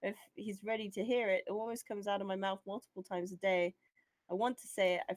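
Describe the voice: Nothing stirs in the background. The speaker is doing plain reading aloud.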